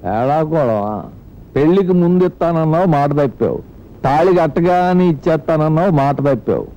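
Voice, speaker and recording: An older actor playing a gruff, threatening father-in-law who demands his money, from an old comedy film. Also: fairly high pitch, sing-song, moderate pace, dark tone. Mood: demanding. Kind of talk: 1990s comedy film dialogue. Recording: dull old film soundtrack with music.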